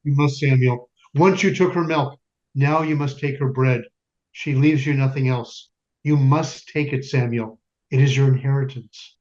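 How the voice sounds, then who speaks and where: An actor playing a stern yet tender, grieving Jewish father in a wartime ghetto, speaking in solemn, deliberate stage monologue with weighty pauses. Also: medium pitch, steady tone, a little mellow, natural voice. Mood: grim, resolute. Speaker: stage actor in community theater. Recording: dull lo-fi recording, music underneath.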